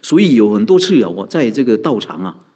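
A man, a Buddhist monk, telling a story in a dharma talk, animated and chuckling, chanting mantras slowly. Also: lowish voice, husky. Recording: dull lo-fi recording.

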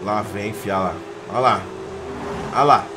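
A man's voice: on the low side, unhurried, background noise. A young Brazilian man hosting a racing game event, commentating casually with friends in slangy, joking banter. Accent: Brazilian Portuguese. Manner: animated, loud countdowns, slangy and joking.

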